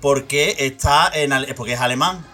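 A man's voice: mid-range voice, normal speed, sharp tone. A man with an Andalusian accent, co-hosting a podcast in chatty, joking conversation. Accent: Andalusian Spanish. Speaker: podcast co-host. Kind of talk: casual chat.

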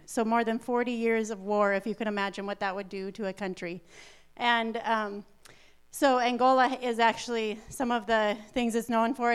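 A middle-aged woman, a missionary nurse, explaining background in a steady, informative way during a church presentation. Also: a little high, clean tone.

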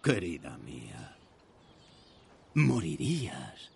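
Deep gravelly old barber from a dubbed film, slow and brushing her off. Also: huge pitch swings, slight background noise, exaggerated voice. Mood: dismissive. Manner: slow, dismissive. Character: old village barber, gruff but kindly.

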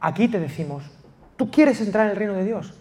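A man from Spain preaching a passionate sermon as pastor of a church, swinging from loud emphasis to quiet intimacy. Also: high voice, expressive, brisk, slight background noise. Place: church in Valencia.

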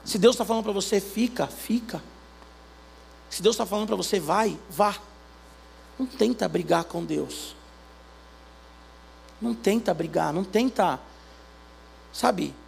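A Brazilian pastor preaching a sermon, acting out little dialogues between God and believers in an animated way. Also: male voice, high-pitched, creaky, slight background noise. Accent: Brazilian Portuguese.

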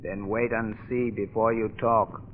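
A man plays a superstitious, close-mouthed island pilot in a radio thriller. His lowish voice is curt and ominous, in broken English. It rings in a long reverb on a narrow old recording. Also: level tone, a little slow, lightly acted. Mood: gloomy, ominous. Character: gloomy, taciturn, superstitious male island boat pilot. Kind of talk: 1930s radio acting. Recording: muffled old radio, echoey, faint noise.

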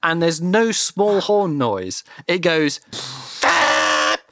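A man's voice: a little high, big pitch swings, slow, no room sound, studio quality. A man ranting animatedly in casual chat as a podcast co-host, swearing freely.

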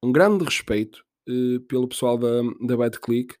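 Portuguese guy (european accent) rambling on his podcast, swears a lot, jokes at himself, mid pitch, dry close sound. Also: a little slow, darkish tone, no room sound. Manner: rambling, profane, jokey, self-mocking. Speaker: podcast host. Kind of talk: casual comedic monologue.

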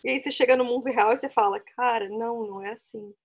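A woman's voice: a little high, steady tone, fast. A woman from Brazil, co-hosting a casual chat podcast, chatty and laughing often. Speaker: podcast co-host.

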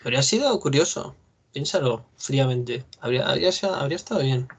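A man's voice: medium pitch, animated, brisk, slightly rough. A man giving a casual spoken commentary on cinema, reasoning aloud in a reflective way with fillers. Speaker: film discussion co-host.

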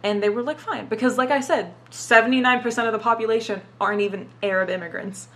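A young woman who grew up in Dubai and speaks Arabic natively answers interview questions in a relaxed way, swearing often and saying "like" a lot. She talks quickly, and her slightly high voice has a fairly bright tone.

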